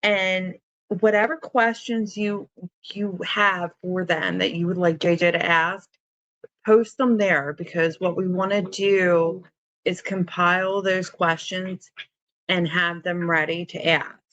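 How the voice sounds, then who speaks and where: A woman co-hosting a casual livestream, making announcements in a halting way and repeating words as she goes. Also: fairly low pitch, fairly even intonation, fairly bright tone, no room sound, lo-fi sound. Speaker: livestream co-host.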